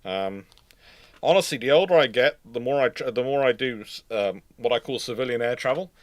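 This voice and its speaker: A man's voice: mid-range voice, fairly quick, no echo. A man hosting a live stream, rambling casually as he answers viewers' questions. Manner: rambling, tangent-prone. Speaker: host of a naval history live stream.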